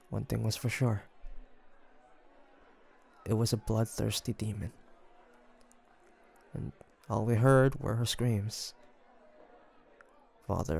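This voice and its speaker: A man's voice: on the low side, gravelly, a little mellow, full character voice. A man playing a young demon hunter in an audio roleplay, flustered and haunted, speaking in hesitant, stammering phrases. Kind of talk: scripted audio roleplay monologue.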